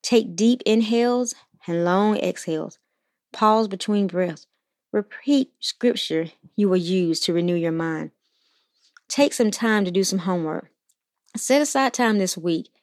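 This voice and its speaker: A woman's voice: mid-range voice, a little slow, dry recording, studio quality. Earnest woman giving faith-based encouragement. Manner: encouraging, earnest, reads scripture aloud. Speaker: podcast host. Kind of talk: Christian motivational podcast talk.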